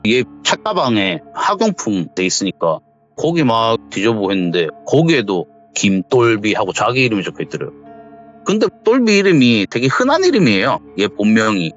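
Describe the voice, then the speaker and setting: A man's voice: lowish voice, sing-song, moderate pace, soft background music. A man hosting a horror story radio show, retelling a listener's ghost story and acting out the quoted dialogue. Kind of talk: storytelling narration. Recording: dull lo-fi recording.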